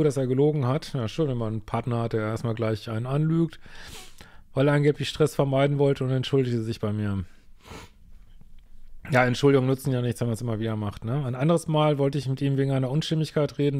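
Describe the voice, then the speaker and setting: A man's voice: medium pitch, a little mellow. Male therapist host, reads a viewer letter aloud, cuts in with dry sarcasm and blunt slang. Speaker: couples therapist. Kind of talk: reading a viewer's email aloud with commentary.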